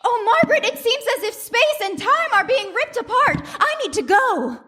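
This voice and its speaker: A woman playing an excitable, naive 1960s housewife and mother in a staged radio play parody, theatrical and melodramatic. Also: extremely high pitch, normal speed, noisy background. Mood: polite, flustered. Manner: theatrical, breathless exclamations and gasps.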